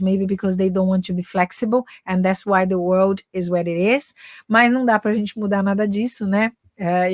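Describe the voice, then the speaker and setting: A woman's voice: medium pitch, darkish tone, no room sound, studio quality. A woman from Brazil with a Brazilian Portuguese accent, giving a casual live-stream English lesson, chatty and dropping English phrases into her talk. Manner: chatty, tags sentences with "né" and mixes in English phrases. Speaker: English teacher.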